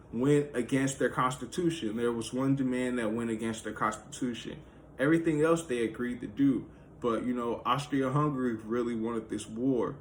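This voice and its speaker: A man's voice: mid-range voice, a bit bright, a little hiss or hum. A man talking through history in a loose, casual monologue, full of "like" and "you know" fillers. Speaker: history video host.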